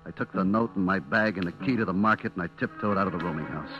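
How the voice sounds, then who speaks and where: A man's voice: deep voice, fast, highs cut off, close to an everyday voice. An actor playing a nervous, cornered man who tells his own story in clipped, confessional old-time radio suspense style. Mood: uneasy. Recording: vintage radio recording with music behind.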